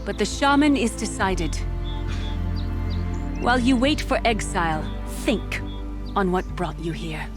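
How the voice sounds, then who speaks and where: Woman acting a stern, slow-speaking tribal chieftain. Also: mid-range voice, expressive, close to an everyday voice. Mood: exasperated, stern. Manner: commanding, measured, scolding. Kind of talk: dramatic video game acting. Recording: music under the voice.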